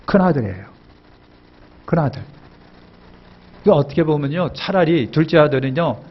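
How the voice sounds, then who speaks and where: Husky-voiced emphatic man preaching. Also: fairly high pitch, lo-fi sound. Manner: emphatic, repetitive, questions the congregation. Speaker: pastor. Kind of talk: sermon.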